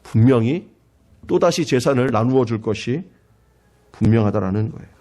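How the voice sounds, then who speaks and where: A man's voice: medium pitch, animated, moderate pace, dark tone. A male pastor preaching a sermon in a church, dramatizing quotes and rhetorical questions. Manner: dramatic, acting out quoted voices with rising intensity.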